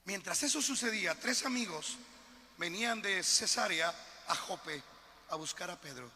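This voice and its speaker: A man preaching a sermon as pastor, with a northern Mexican accent, passionate and swinging between quiet asides and shouted appeals. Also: high voice, expressive, normal speed, big-room sound.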